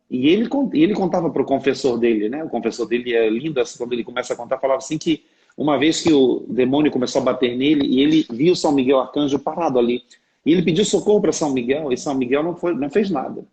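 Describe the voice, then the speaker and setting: A man's voice: medium pitch, warm tone, low-quality recording. A Brazilian man preaching on a livestream as a Catholic missionary, telling stories earnestly and often asking his listeners for agreement. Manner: earnest storytelling, often asks "né?". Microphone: livestream setup.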